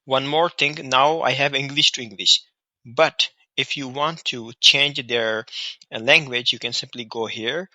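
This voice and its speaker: An app reviewer and tutorial host with a South Asian accent, whose first language is Hindi or Urdu, walks through an app informally at a measured pace. His middle-pitched voice is strikingly bright and sharp, recorded dry and close with no echo, as he gives step-by-step instructions, repeats himself, and checks in with viewers.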